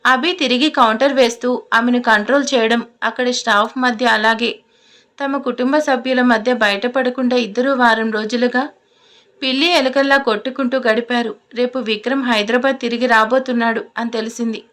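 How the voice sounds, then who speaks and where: Higher-voiced woman reading a story. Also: steady tone, moderate pace, fairly bright tone. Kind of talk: scripted audio story narration.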